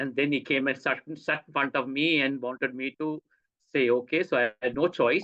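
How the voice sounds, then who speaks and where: Speaking in a Sri Lankan accent, a man with a fairly high pitch keeps a moderate pace and fairly even intonation. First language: Sinhala. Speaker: Rotary trainer and speaker. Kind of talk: talk at a club event.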